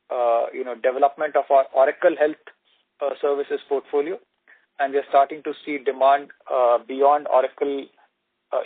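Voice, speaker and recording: A man's voice: medium pitch, no echo. Executive man on a phone line. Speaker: company executive answering analysts. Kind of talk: earnings call answers, corporate and explanatory. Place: conference call. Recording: narrow, dry telephone conference line.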